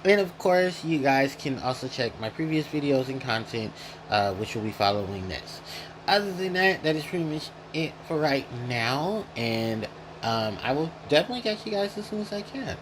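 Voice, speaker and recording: Against a noisy background, this host speaks at normal speed in a very animated voice on the high side. He chews as he talks through a casual gaming retrospective, rambling and fixing his own words as he goes.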